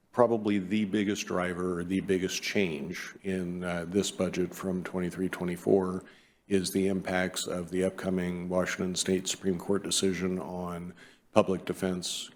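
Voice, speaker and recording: A man introducing a city budget at a council meeting, speaking in a measured way with some fillers. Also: low voice, little pitch movement, slight background noise. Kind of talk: meeting presentation.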